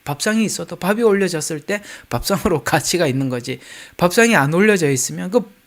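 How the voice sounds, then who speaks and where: An older man with a Gyeongsang Korean accent preaches from the pulpit. His voice sits a little high for a man. He talks to the congregation casually, with laughing asides. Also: animated, brisk, a bit bright. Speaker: pastor. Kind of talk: sermon.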